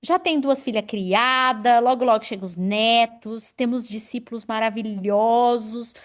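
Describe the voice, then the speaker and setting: Animated woman in her forties preaching. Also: a little high, unhurried. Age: 40s. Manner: animated, personal, addresses congregation by name. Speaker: pastor. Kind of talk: sermon.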